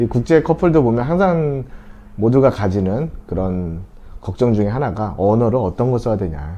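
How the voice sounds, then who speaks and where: A man speaks at medium pitch with a dark, mellow tone. His pitch swings very widely while he holds a moderate pace. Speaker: vlogger living abroad. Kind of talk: casual vlog monologue. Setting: indoors before staff arrive, morning. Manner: casual, hesitant fillers.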